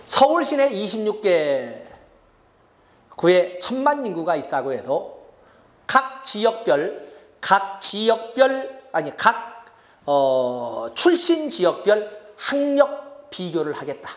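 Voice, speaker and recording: A man's voice: high-pitched, sing-song, slow. A middle-aged man giving an exam-prep lecture, repeating key terms as he writes them on the board.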